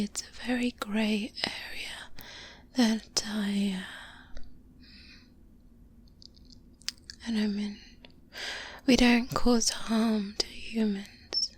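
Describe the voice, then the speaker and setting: Woman as seasoned vampire hunter mentor: breathy, confiding ASMR whisper, extremely slow, wry and pragmatic, close binaural mic with faint noise. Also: mid-range voice, lightly acted. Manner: slow, hushed, confiding, pausing often. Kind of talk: soft-spoken ASMR roleplay. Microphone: close binaural microphone.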